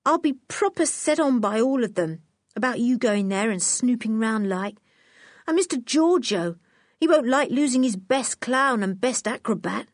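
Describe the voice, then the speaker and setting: A woman voicing an excitable working-class teenage circus boy who talks in rustic slang and bursts into eager exclamations. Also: on the high side, normal speed, no echo, clean studio sound, voice pushed up, close to an everyday voice. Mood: worried.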